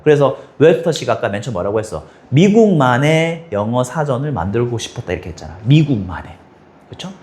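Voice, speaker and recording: A man teaching an English textbook passage to high school students, explaining step by step and asking students quick questions. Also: a little mellow. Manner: switches between plain and exaggerated voices for example lines.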